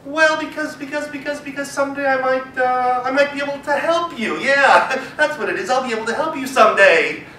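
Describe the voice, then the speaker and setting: Man playing a high, squeaky, excitable young female mouse for a storybook tale. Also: brisk, few pauses, echoey room, recorded from a distance, a little hiss or hum. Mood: nervous. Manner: squeaky, eager, breathless pleading.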